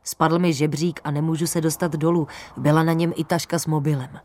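Friendly male chimney sweep, read by a woman, calm, kindly, talkative, low voice. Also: close to an everyday voice.

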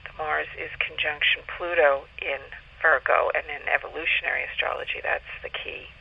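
A man speaking as an interview guest, explaining in a halting way, thinking aloud with pauses. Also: fairly high pitch, little pitch movement, creaky, husky. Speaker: guest astrologer. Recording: muffled, lo-fi call audio.

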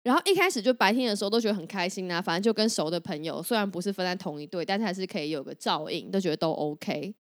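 Taiwanese woman podcast cohost, talks super fast, voice bouncing all over, laughy storyteller. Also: fairly low pitch, expressive. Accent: Taiwanese Mandarin. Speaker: podcast co-host. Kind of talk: casual chat.

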